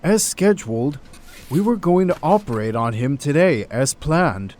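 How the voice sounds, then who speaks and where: Man playing a distraught doctor, higher-pitched voice. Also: expressive, a little slow, a little mellow. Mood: troubled, subdued. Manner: hesitant, stammering, protesting. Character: distraught, indignant male doctor, wrongly accused. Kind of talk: audio drama acting. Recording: faint background noise.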